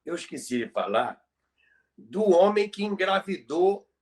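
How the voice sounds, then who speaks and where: Slow, animated, higher-pitched Brazilian man. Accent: Brazilian Portuguese. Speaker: podcast co-host. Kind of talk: conversational storytelling about radio history.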